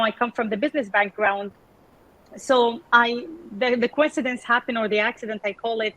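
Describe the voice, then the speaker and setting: Seorang wanita yang berasal dari Sudan dan dibesarkan di Kanada, bercerita dengan santai sebagai panelis lewat panggilan video. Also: female voice, a little high, a bit bright, poor audio. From Sudan, raised in Canada. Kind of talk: conversational panel talk.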